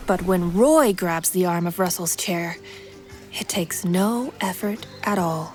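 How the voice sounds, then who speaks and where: A woman's voice: lowish voice, slow pace, darkish tone. A woman reading scripted present-tense story narration for an action fiction podcast. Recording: prominent music bed under narration.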